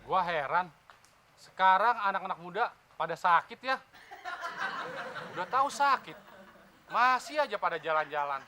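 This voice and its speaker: A man's voice: high-pitched, lively intonation, normal speed, pauses often, noisy background. A man playing a cheeky young loafer who makes wisecracks in Jakarta slang. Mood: joking. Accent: Jakarta Indonesian. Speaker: sketch comedy actor.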